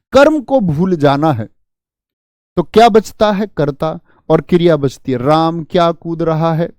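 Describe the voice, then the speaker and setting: A man's voice: high-pitched, a little mellow, dry recording, studio quality. A man teaching a grammar lesson, asking his students questions and answering them himself. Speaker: Hindi teacher.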